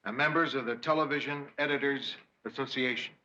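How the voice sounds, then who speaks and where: An actor playing a gruff, blunt, middle-aged male news boss. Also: mid-range voice, steady tone, a little fast, close to an everyday voice. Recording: dull, very noisy old TV audio.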